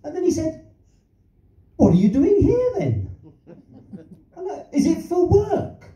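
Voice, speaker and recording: A man's voice: very high voice, huge pitch swings, unhurried, mellow. An older man from London doing a stand-up routine on a small theatre stage, rambling through anecdotes with self-deprecating asides and chuckles. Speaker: stand-up comedian. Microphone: handheld mic, filmed from the audience. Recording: roomy, distant, dull audience recording.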